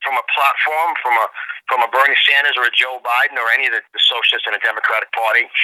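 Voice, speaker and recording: Over noticeable background noise, a man with a New York accent speaks at a very fast pace in an animated tone. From New York (Yonkers). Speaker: conservative business speaker and podcaster. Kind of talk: radio interview. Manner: animated, repetitive restarts.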